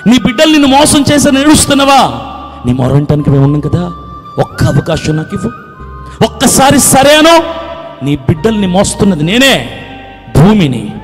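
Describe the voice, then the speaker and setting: The wrathful earth, voiced by a preacher. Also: male voice, sits high, wildly swooping pitch, moderate pace, long pauses, in a large hall, faint music behind. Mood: fervent, threatening. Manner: fervent pleading, threatening. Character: the earth, huge and wrathful, eager to swallow.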